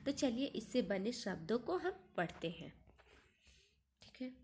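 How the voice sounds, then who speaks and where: A woman teaching a kindergarten Hindi lesson, reading words slowly one by one and quizzing the class with repeated questions. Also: fairly high pitch, very animated, darkish tone, slight background noise.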